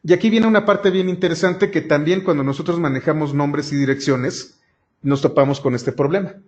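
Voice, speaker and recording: This man teaches programming through a screen recording, breaking a coding lesson into steps and speaking directly to his students. His voice sits on the high side and moves a little fast, and the sound is dull and lo-fi.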